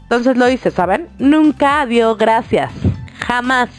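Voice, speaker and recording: On the high side with lively intonation, this woman speaks slowly over soft background music. Hosting a radio program with a Mexican accent, she casually spins a long personal tale, talking straight to her audience in a relaxed, colloquial style.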